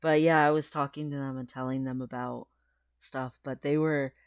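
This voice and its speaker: Trans guy vlogging at home, mid-pitch voice that cracks now and then, rambly with lots of ums, dry sound. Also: flat delivery, normal speed, clean tone, no echo. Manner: chatty and rambling, many fillers, laughs often. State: voice sometimes cracking. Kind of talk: casual personal video diary.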